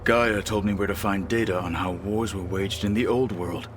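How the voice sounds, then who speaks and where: A man playing a stoic, proud tribal warrior in a game, speaking in a formal, measured, earnest way over music. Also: low voice, steady tone, background noise, natural voice. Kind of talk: video game cutscene dialogue.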